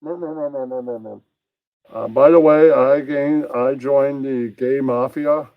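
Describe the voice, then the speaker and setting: A man's voice: mid-range voice, steady tone, measured pace, no echo, close to an everyday voice. Man doing a muffled, babbling crude puppet. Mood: deadpan menace. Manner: pads speech with repeated nonsense syllables. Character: crude, blunt male puppet who mumbles nonsense filler. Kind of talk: improvised adult puppet comedy. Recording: dull, muffled lo-fi sound.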